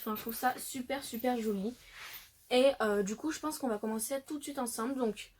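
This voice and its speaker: Chatty woman with a higher voice. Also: darkish tone, slight background noise. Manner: chatty, thinking aloud with many fillers. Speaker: beauty vlogger. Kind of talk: casual unboxing chat.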